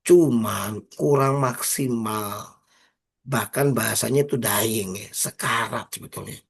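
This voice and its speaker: A man preaching an informal sermon over a video call, exhorting listeners by name and slowing into emphatic recited lines. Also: mid-range voice, gravelly, husky. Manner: exhorting, repeats phrases and drops into slow emphatic recitation; addresses listeners by name, casual colloquial asides. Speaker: preacher leading an online prayer meeting.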